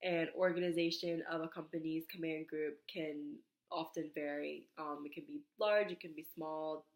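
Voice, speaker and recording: Young woman, congested nose, slightly raspy, lowish voice, student slide presentation, reads notes with ums. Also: steady tone, moderate pace. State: nasal congestion, under the weather. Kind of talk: recorded class slide presentation.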